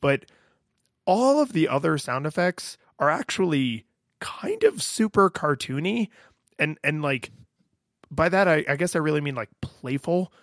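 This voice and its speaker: Deep-voiced man rambling casually. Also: lively intonation, a little slow, a bit bright, dry recording, clean studio sound. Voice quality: fairly deep voice. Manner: rambling, laughs often, many fillers. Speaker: podcast co-host. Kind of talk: casual chat about a video game.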